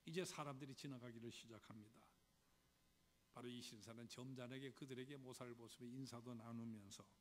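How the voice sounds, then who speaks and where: Male pastor, storytelling sermon, rhetorical questions, church hall echo with low hum. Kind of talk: Sunday sermon. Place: church sanctuary. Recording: reverberant hall with faint low rumble.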